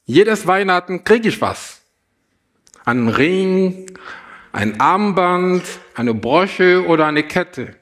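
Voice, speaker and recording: A man voicing a croaking magpie that loves jewellery, slow and slightly high. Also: animated, fairly bright tone, heavily acted. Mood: greedy.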